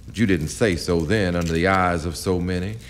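An actor playing a swaggering, menacing riverboat captain in a radio drama, smooth-talking and taunting with flowery turns of phrase. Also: male voice, low-pitched, fairly quick, heavy background noise, close to an everyday voice.

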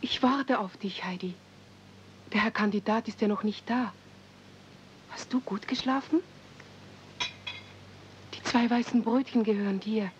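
An actress playing a kind, gentle, well-bred young girl in a 1970s radio play. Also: medium pitch, measured pace, long pauses, lightly acted. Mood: gentle, curious. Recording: dull, noisy old radio play recording.

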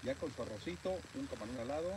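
A man's voice: medium pitch, lively intonation, quick pace. A middle-aged man with a Mexican accent hosting a casual live cooking stream, chatting to viewers in informal slang from an outdoor campsite, recorded on a phone. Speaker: host of a camping cooking vlog. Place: outdoor desert campsite under a canopy. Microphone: phone camera held by another person. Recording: noisy outdoor phone video.

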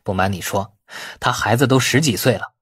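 A man's voice: fairly low pitch, fairly quick, fairly bright tone, slightly rough, no echo, clean studio sound. A man reading the part of a courteous, glib young businessman in an audiobook. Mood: smooth, probing.

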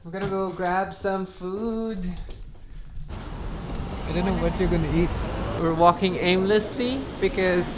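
A woman's voice: fairly low pitch, slow pace, long pauses. A woman narrating a casual travel vlog on the go, upbeat and chatty, from airports, streets and a hotel room. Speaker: travel vlogger. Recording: noisy street ambience.

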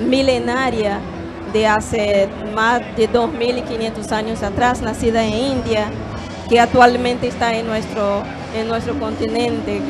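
A Brazilian woman yoga teacher speaking Spanish in a gentle, measured way with small hesitations, on a handheld mic at a fair stand. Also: fairly high pitch, rough recording. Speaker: yoga teacher and holistic therapist. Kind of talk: calm explanatory interview answers. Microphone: handheld microphone.

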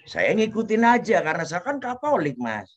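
A man's voice: high voice, moderate pace. Man telling a dramatic life story. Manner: emotional storytelling, voice rising when excited. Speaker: interview guest. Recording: dull lo-fi audio, faint noise.

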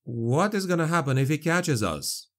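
A man's voice: medium pitch, sing-song, measured pace. A man voicing a nervous human male adventurer in a fantasy audiobook, questioning those around him. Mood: nervous, wry.

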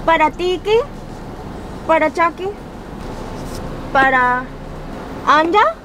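Here is a woman playing a foreign customer babbling in a fake foreign language. The high, chirpy voice strings together choppy, repeated nonsense syllables as an improvised prank order, with faint noise of a car interior. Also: lively intonation, drawn-out words, full character voice. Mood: hesitant. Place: inside a car.

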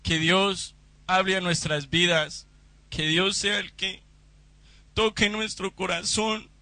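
A man preaching a Pentecostal sermon in church, fervent and rising to shouts during prayer, on a close microphone. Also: very high-pitched, dry recording. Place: church service.

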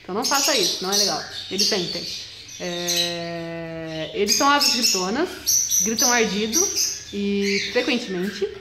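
In an indoor bird room, a young woman chats casually to camera about her pet parrots, playfully scolding them. Her mid-range voice moves at a moderate pace. The room is echoey, with loud squawks and chirps from the parrots.

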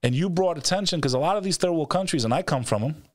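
Fast-talking, with a fairly high pitch and lively intonation, a middle-aged man hosts a motivational interview with no echo. His style is blunt, emphatic and profane, full of repeated phrases for emphasis. He's set up indoors in a studio on a video call, close to a stand-mounted studio mic.

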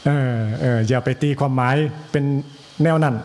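A monk with an Isan accent giving an evening sermon, slow and measured, with pauses and repetition and a joke now and then for the listeners. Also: male voice, mid-range voice, fairly even intonation, darkish tone, slight background noise. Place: temple hall.

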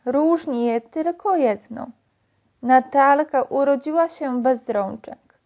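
A woman reading a children's story aloud as storyteller, in a slow, clear storytelling manner. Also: high-pitched, darkish tone, lo-fi sound.

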